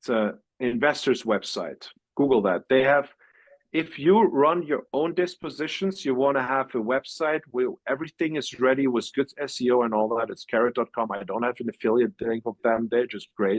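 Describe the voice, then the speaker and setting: The speaker has a German accent and a moderate pace. Pitch varies in an ordinary way. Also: man, medium pitch for a man. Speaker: real estate investor. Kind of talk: Q&A on a video call.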